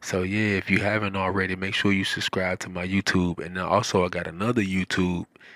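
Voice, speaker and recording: A man's very deep, low voice with a bright, sharp tone, fairly quick pace, hardly any pauses and monotone, flat intonation. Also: dry, close sound with no echo. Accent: St. Louis. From US Midwest, St. Louis, Missouri. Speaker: ASMR livestreamer and musician. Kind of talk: casual livestream chat. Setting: live stream.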